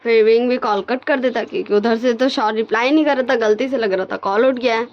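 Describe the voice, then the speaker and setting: Woman storyteller, chatty casual retelling, slightly high voice, dull lo-fi sound. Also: fairly even intonation, brisk. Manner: chatty, explanatory. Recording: lo-fi recording.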